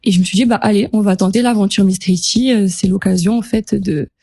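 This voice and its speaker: Mellow-voiced young woman in a dry studio. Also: mid-range voice, fast talker, gravelly, slightly rough, dry recording. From French Polynesia. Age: 20s. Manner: relaxed, chatty, laughs easily, frequent hesitations. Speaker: pageant contestant guest. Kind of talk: casual radio interview. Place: radio studio.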